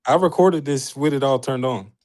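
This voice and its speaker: A man's voice: medium pitch, moderate pace, a little mellow, dry recording, studio quality. A man, a guest artist on a podcast, talking earnestly and agreeably in casual chat.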